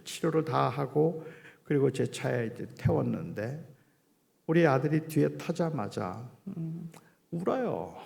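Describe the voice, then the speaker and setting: A middle-aged male pastor preaching and telling a personal story, earnest and heartfelt, often dropping to a soft, hushed voice. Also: fairly high pitch, lively intonation, a little slow, gravelly, big-room sound.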